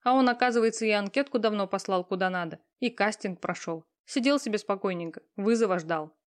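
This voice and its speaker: A woman voicing a hurt, tearful young woman who answers slowly and stubbornly. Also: medium pitch, smooth, close to an everyday voice. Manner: slow, subdued, stubborn replies. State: tearful, sniffling.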